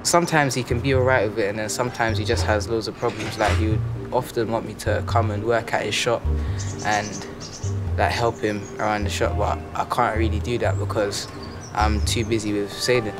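A young man speaks about his family in an even, low-key tone, his voice slightly low. Music plays clearly underneath. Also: brisk. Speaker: student sailor. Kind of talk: documentary interview.

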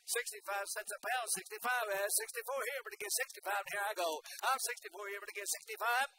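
A man's voice: high voice, quick pace. An older man works as a livestock auctioneer, folksy and rhythmic in his announcements and chanting. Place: indoor livestock show arena. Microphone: microphone at auction stand. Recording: clear background arena noise.

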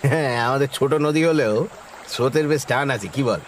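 An actor playing a brisk, dismissive village man in a Bengali horror audio drama. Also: medium pitch, a little hiss or hum, natural voice. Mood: easygoing. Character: Birja, brisk, easily annoyed village man, narrator's friend.

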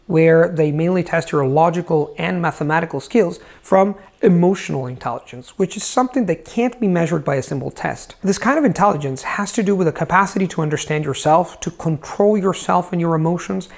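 A man in his thirties, a language teacher, explaining ideas to the camera in an expressive, emphatic way, wearing a lapel mic in a room lined with books. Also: on the high side, gravelly. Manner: expressive, gestures a lot, stresses words. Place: indoors in front of a large bookshelf.

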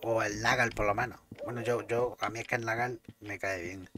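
A man's voice: lowish voice, steady tone, fairly quick. Chatty man playing a game. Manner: chatty, swears, talks to himself. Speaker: gameplay commentator. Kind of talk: casual gameplay commentary.

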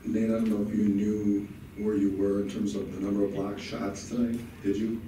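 A man's voice: fairly low pitch, flat delivery, normal speed. A male sports reporter asking informal, teasing questions at a postgame press conference. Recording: echoey room, distant mic, background noise.

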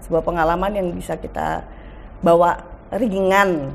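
A middle-aged woman chatting on a talk show, telling lively family stories and acting out dialogue. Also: fairly low pitch, measured pace, creaky, slight background noise. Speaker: guest actress. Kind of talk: casual talk show chat.

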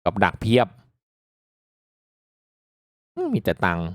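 A man giving casual, reactive commentary as he hosts a mobile game playthrough, chatting politely to viewers with excitable exclamations. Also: slow pace, dry recording, clean studio sound. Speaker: gaming video host.

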